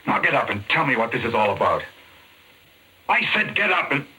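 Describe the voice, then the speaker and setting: An actor playing a polite, well-spoken doctor in an old-time radio drama. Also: male voice, mid-range voice, very animated, fairly quick, bright, forceful tone, slightly rough, full character voice, low-quality recording. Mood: alarmed, bewildered. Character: polite male doctor drawn into a deadly game.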